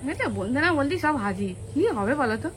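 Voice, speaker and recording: In a casual home vlog, a woman with a West Bengal Bengali accent chats and exclaims while narrating what she's doing, first in a garden with mango trees and then in her kitchen. Her high voice is very animated and fast. The audio is poor, with a little hiss or hum.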